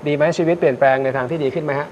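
Fast-talking male astrologer host. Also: a little high, fairly even intonation, a little mellow, muffled recording, a little hiss or hum. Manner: fast, reassuring, repeats key points. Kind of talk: live call-in fortune reading.

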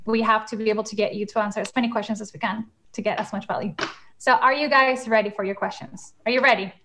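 A woman's voice: medium pitch, steady tone, quick pace, fairly bright tone, a little hiss or hum. A young woman hosting a panel over a video call, upbeat and enthusiastic, with frequent fillers. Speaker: panel moderator. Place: home room, in England.

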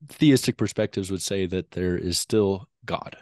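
A man's voice: deep voice, darkish tone, no echo, studio quality. A young man with a lingering cough, a guest scholar explaining views step by step over a video call from a home study. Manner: measured, explains in steps with frequent ums. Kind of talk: explanatory interview talk. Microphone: video call with a desk mic.

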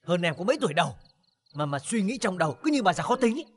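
An easygoing young husband who turns defensive and argumentative. His voice sits high for a man, and he talks fast. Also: big pitch swings, slight background noise. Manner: argumentative, quick retorts. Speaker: son in a TV drama.

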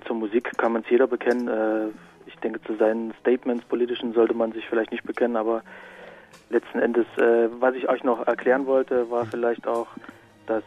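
A man's voice: medium pitch, darkish tone. A man with a Saxon accent calls in to a radio show. He answers at an easy pace with frequent hesitations. His voice comes over a phone line, with faint music in the background. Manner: unhurried, hesitant, with filler sounds. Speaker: radio caller.

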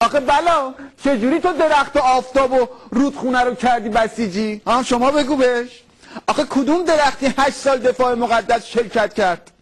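A man hosting a satirical comedy sketch, talking in a mocking, animated way. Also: extremely high pitch. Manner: mocking, fast and animated, laughing. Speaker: satirical radio host.

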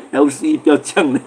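A man's voice: medium pitch, husky. A man from Singapore hosting a casual livestream, chatting loosely, greeting viewers by name and laughing often. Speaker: livestream host.

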